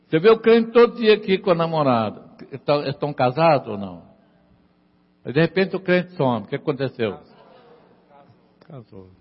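A man's voice: fairly high pitch, expressive, moderate pace, pauses often, big-room sound, lo-fi sound. A man preaching a sermon in a church. He repeats his lines for emphasis and keeps asking the congregation "amen?". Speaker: pastor.

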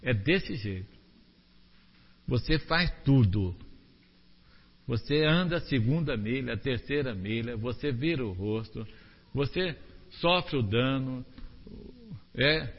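A man preaching a sermon, animated, asking the congregation rhetorical questions. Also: medium pitch, slow pace, long pauses, slightly rough, long reverb tail, dull audio.

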